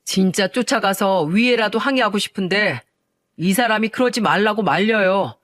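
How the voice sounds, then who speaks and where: A woman's voice: mid-range voice, moderate pace, fairly bright tone, natural voice. A narrator voicing an angry, protective son-in-law who speaks respectfully to his mother-in-law. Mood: indignant. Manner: indignant, protective.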